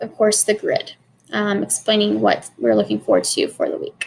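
A woman talks at a moderate pace against light background noise. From North Carolina. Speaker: middle school science teacher. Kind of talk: recorded presentation to parents. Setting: recorded video presentation. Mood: friendly, upbeat. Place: home room. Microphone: webcam.

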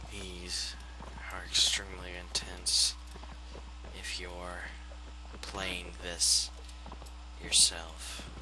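The voice is whispering at a very slow pace. Noticeable background noise is present. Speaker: gamer narrator. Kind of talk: ASMR gameplay commentary. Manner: whispered. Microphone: studio mic.

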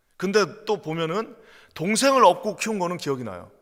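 A man speaks in a high pitch with a bright, sharp tone. His pace is moderate. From South Korea, island village. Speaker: pastor. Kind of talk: sermon.

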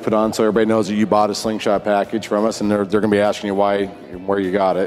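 A man with a fairly low pitch speaks as faint music plays in the background. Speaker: dealership salesperson. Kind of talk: product walkaround presentation. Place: garage.

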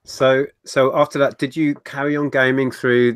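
A man speaks with a British accent at a medium pitch. The background is quiet. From UK. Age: 40s. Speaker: YouTuber and reseller; YouTuber, reseller. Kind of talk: casual chat. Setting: video call. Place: office. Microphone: webcam.

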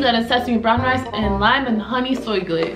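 Over clear background music, a woman talks in a high pitch. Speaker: food vlogger. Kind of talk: casual vlog chat, food review. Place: home room. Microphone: camera far.

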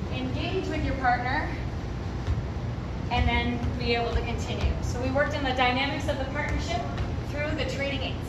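Over loud background noise, a woman talks with audible room echo. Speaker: dance teacher. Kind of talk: workshop recap, counting and explaining. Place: hall. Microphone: camera far.

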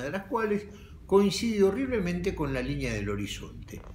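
A man's voice with vocal fry at a moderate pace, with audible room echo and light background noise. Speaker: writing teacher reading a story. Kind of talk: literary reading aloud. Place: home room.

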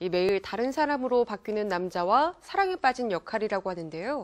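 A woman speaks at a moderate pace. Her pitch swings across a very wide range. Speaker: entertainment news anchor. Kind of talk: entertainment news narration.

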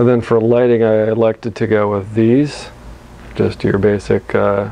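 A man talking at a moderate pace. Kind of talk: casual show-and-tell. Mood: relaxed, pleased. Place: workshop. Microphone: phone near.

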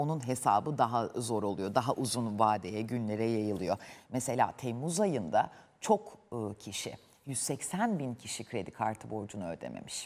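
The speech moves at a fairly slow pace, with big swings in loudness and ordinary pitch variation. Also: woman, very deep, low pitch for a woman. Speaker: TV news presenter. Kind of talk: news presentation. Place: studio. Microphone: lapel.

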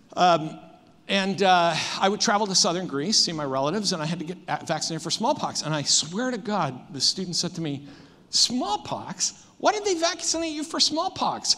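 A man with an American accent uses a raised, projected voice at a high pitch, speaking at a moderate pace with lively intonation. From Massachusetts, US. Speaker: author and keynote speaker; keynote speaker. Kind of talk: keynote speech. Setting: conference stage with audience. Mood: humorous, wry. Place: hall. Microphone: lapel.

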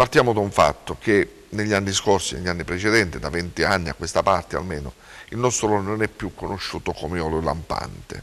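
A man's very deep, low pitch at a fairly quick pace, with ordinary pitch variation. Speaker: agricultural engineer, olive growers' association technical director; guest. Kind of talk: TV interview. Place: studio. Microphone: lapel.

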